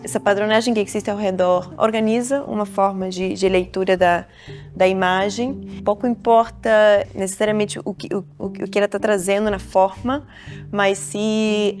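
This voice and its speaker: A woman's voice: mid-range voice, a little mellow. A woman from Argentina, a native Spanish speaker with an Argentine accent, explaining her work as an artist. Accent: Argentine-accented Portuguese. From Córdoba, Argentina. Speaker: visual artist. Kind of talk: artist talking about own work. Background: music.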